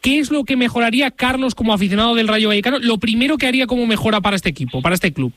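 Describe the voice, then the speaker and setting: A man with a Spanish accent from Spain hosts live sports radio in a high-pitched voice. He talks very quickly and effusively, hammering points home by repeating them. The sound is dry and close. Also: lively intonation, a bit bright, no room sound. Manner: effusive, emphatic, repeats phrases for emphasis. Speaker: radio or stream host. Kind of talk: live sports show interviewing and commentary.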